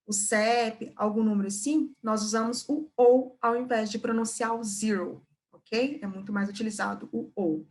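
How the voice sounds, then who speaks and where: A woman with a Brazilian Portuguese accent teaching an English lesson, patiently repeating words and checking in with her students. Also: on the high side.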